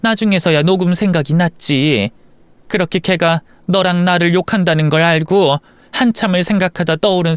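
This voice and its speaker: Man voicing an elderly mother, remorseful, soft-spoken, high smooth tone. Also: no echo, natural voice. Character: apologetic elderly mother, gentle and regretful. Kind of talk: storybook voice acting.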